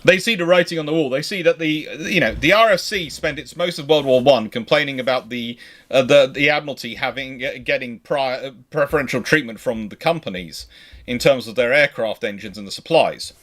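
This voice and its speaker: A man's voice: mid-range voice, brisk, fairly bright tone. A man hosting an unscripted history discussion, talking discursively and emphatically and often correcting himself. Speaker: naval history show host.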